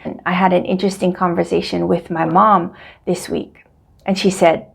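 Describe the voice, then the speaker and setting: A middle-aged woman from Hawaii with a Hawaiian English accent, teaching Hawaiian words in a friendly vlog and repeating them slowly. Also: lowish voice, flat delivery, gravelly, husky. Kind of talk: casual vlog-style language lesson.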